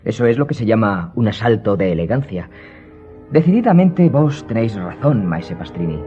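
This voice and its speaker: An actor playing an enthusiastic, refined young aristocrat in an audio drama. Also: male voice, on the low side, sing-song, normal speed, warm tone, muffled recording, faint music behind. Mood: delighted. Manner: effusive, refined. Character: enthusiastic young aristocratic gentleman, easily impressed. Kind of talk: Spanish audio drama acting.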